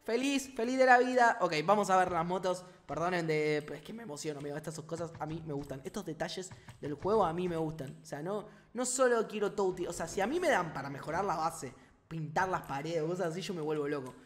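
Excitable young Rioplatense man gaming. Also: a little high, fast. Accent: Rioplatense Spanish. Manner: excitable, slangy, talks to viewers. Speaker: gaming youtuber. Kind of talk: casual gameplay commentary.

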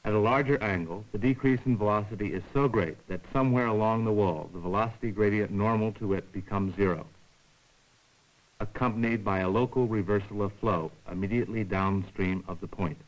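A man giving formal, measured scripted narration for an educational science film, explaining carefully like a lecturer. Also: on the low side, low-quality recording.

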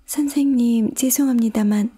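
Woman doing a bewildered little girl, whispered role-play: breathy, high, storybook audiobook. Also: fairly even intonation, a little slow, warm tone. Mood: timid. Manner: bewildered, questioning herself aloud. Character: curious puzzled little girl, easily upset.

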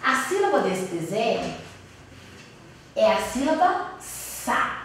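Brief: Brazilian woman teacher, slow and patient with small kids, lively pitch, echoey classroom sound. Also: slight background noise. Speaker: primary school teacher. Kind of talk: classroom lesson for young children. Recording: echoey room, voice from a distance.

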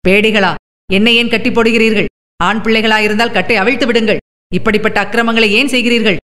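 A woman's voice: fairly high pitch, steady tone, a little fast, fairly bright tone, natural voice. Woman doing a defiant young hero from an audiobook, fiery and indignant, with a long echo. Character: fierce young male idealist hero. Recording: long reverb.

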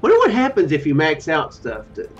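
A man's voice: a little high, huge pitch swings, a little fast. A man in his thirties reading game text aloud as a streamer, breaking off for musing, self-correcting commentary. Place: small room at home, indoors. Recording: dull lo-fi mic, music behind. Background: game music.

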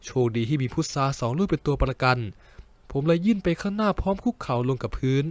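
A young man narrating a novel in the first person, with lively storytelling and wry asides. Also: fairly high pitch, fast talker, dry recording. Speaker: audiobook narrator.

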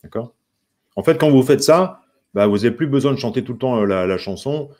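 A man's voice: medium pitch, expressive, brisk, darkish tone. A French man teaching a live songwriting lesson, patiently counting syllables with viewers and greeting them by name. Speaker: music teacher.

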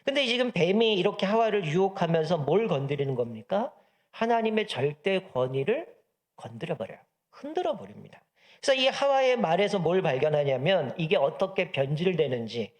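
A man preaching a Sunday sermon as the church's pastor, acting out the characters' lines as he explains the scripture. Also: fairly high pitch. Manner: animated preaching, acts out dialogue of devil and God in a humorous anecdote.

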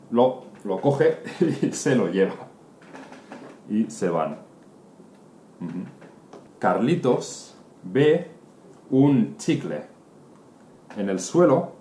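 Teacher guy, super slow storytelling for learners, animated, echoey room, faint hiss. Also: fairly low pitch. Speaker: Spanish teacher. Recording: roomy room, faint noise.

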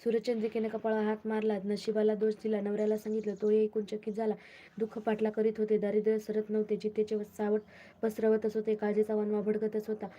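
A woman reading a devotional folk tale aloud in a steady, plain recitation with small restarts. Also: medium pitch, a little fast, lo-fi sound. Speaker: storyteller.

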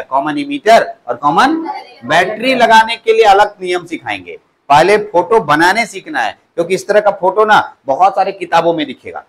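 High-voiced man lecturing a class. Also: a bit bright. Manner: repeats key words as questions to the class. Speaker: polytechnic teacher. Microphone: clip-on mic at the waist.

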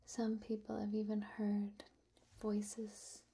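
A young woman playing a gentle, attentive potion maker in a soft-spoken, breathy, slow and reassuring ASMR roleplay, close to the microphone. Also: mid-range voice, monotone, heavily acted. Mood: soothing. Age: young adult. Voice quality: breathy, whispery.

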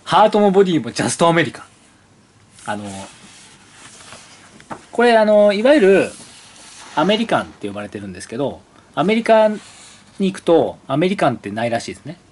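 On his motorcycle channel, a man whose voice sits on the high side and has a sing-song lilt browses an old brochure. He rambles in a casual way, asks the viewer questions, and slowly reads passages from the brochure aloud.

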